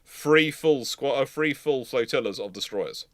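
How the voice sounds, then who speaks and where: A man's voice: mid-range voice, unhurried, fairly bright tone, no echo, clean studio sound. A man hosting a history livestream, giving casual expert commentary in an explanatory, digressive and emphatic way.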